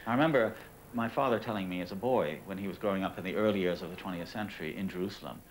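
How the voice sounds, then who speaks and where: A man speaking slowly and hesitantly in an interview, with many fillers. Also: deep voice. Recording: noisy background hiss.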